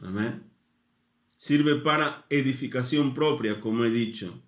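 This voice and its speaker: A man preaching a sermon, speaking in short phrases with frequent pauses. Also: mid-range voice, reverberant, dull audio. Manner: slow, deliberate, pausing after short phrases. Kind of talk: sermon teaching.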